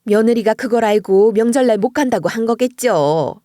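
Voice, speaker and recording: A woman's voice: fairly high pitch, expressive, normal speed, warm tone, no echo, clean studio sound, natural voice. A woman voicing a scheming, sarcastic middle-aged mother-in-law who needles with false politeness.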